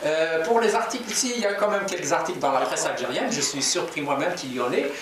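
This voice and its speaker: A man's voice: fairly high pitch, animated, fast talker, background noise. A man in his forties, a Kabyle-born novelist, giving thoughtful, hesitant interview answers in a small office. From Algeria, Kabylie. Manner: reflective, gestures while talking, many hesitations. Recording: echoey room from far off, crowd murmur.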